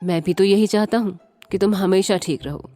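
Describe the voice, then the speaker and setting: A woman voicing a caring young husband who speaks calmly and scolds gently. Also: mid-range voice, moderate pace, soft background music, natural voice. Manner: gentle, calm, mildly scolding.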